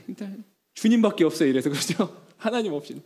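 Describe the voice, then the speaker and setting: A man's voice: high voice, lively intonation, a little fast, a little mellow, breathy edge. A male pastor giving an earnest sermon, mixing personal stories with emphatic appeals to the congregation.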